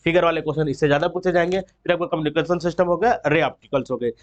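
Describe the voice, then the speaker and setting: A man's voice: a little high, rapid-fire. A man presenting an exam-prep book walkthrough in an informal, explanatory way, mixing in English terms. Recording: dull, lo-fi sound.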